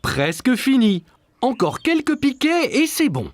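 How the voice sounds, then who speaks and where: A man voicing a kind, patient father in a French cartoon dub, calm and reassuring. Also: extremely high pitch, unhurried, heavily acted.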